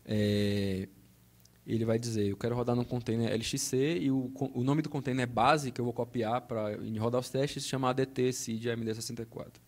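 Presenting a technical talk with a live demo, a man with a Brazilian Portuguese accent speaks at normal speed in a mid-range voice with fairly even intonation. He guides the auditorium audience step by step and checks in frequently, switching from a handheld to a podium microphone.

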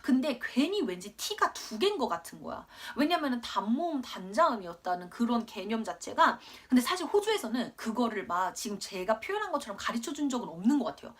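A woman's voice: on the high side, big pitch swings, fairly quick, few pauses, breathy edge. A woman in her twenties who grew up in Australia, telling a rambling, self-mocking story while teaching English. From Korea, raised in Australia. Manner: chatty, rambling, laughs at herself. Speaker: English tutor. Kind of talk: casual storytelling in a lesson video.

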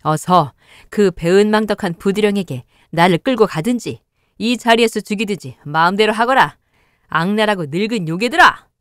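A woman's voice: medium pitch, normal speed, fairly bright tone, no echo, studio quality, natural voice. A woman voicing a proud, defiant woman in black with a stern, dignified manner.

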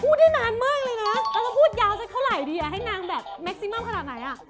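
A very high-voiced woman hosting a casual review vlog from home, bubbly and playful as she chats along. Background music plays clearly under her voice. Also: fast. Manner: excitable, playful, talks to her dog and the toy. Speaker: product review vlogger. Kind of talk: casual chatty product review.

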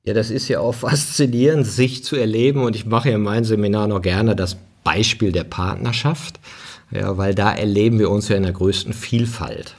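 Low-voiced man musing on self-growth. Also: steady tone, moderate pace. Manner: thoughtful, tags sentences with "ne". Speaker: seminar leader. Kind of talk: reflective conversation.

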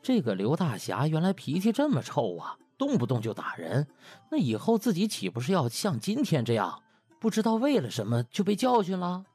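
Male audiobook narrator, colloquial and dramatic. Very wide intonation, slightly rough husky tone, soft music behind. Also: on the high side, huge pitch swings, moderate pace, dry recording.

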